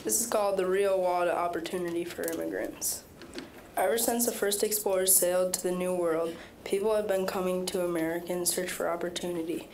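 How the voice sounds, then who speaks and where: A ninth-grade girl reads a prepared speech with a steady delivery. Her voice is low and flat, and faint ambient noise sits behind it. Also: brisk, rough recording. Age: teens. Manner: steady, somewhat monotone reading. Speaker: student speaker.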